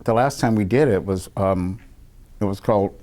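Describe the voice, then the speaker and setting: Male guest, low voice, easygoing chatter with frequent laughs. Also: normal speed, mellow. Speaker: interview guest, performer. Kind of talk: casual interview chat.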